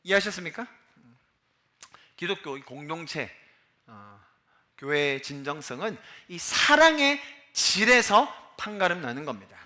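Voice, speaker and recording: Man, 40s, pastor, Busan accent, sermon, lively pitch, high voice. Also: unhurried. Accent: Busan Gyeongsang dialect. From Busan, South Korea. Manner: conversational preaching, asks the congregation questions. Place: church sanctuary.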